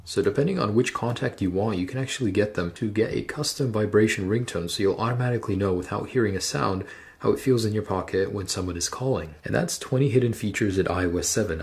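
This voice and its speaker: Guy with a low gravelly voice doing a step by step phone tutorial. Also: a little mellow. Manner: step-by-step instructional, walks through menus. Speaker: tech tutorial host. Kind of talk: screen-recorded how-to narration.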